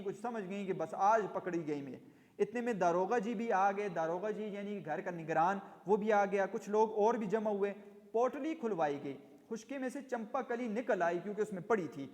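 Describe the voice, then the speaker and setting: A man's voice: high-pitched, a little mellow. A male teacher reading a story aloud and explaining it line by line, glossing hard words as he goes. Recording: long reverb in an echoey room.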